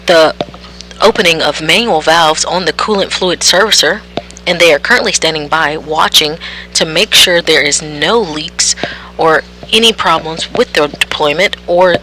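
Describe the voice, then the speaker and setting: A man giving measured, explanatory live commentary as a broadcast commentator. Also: fairly high pitch, bright, forceful tone, rough recording.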